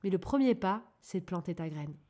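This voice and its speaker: A woman hosting her own channel, talking gently and encouragingly to her listeners as a life coach, in a casual coaching monologue. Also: fairly low pitch, expressive, fairly quick.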